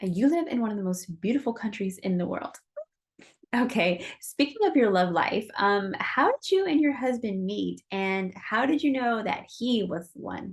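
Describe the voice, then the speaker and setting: In an ordinary speaking voice, the speaker moves at a moderate pace with lively intonation. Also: woman, fairly high pitch for a woman. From US. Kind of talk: interview conversation.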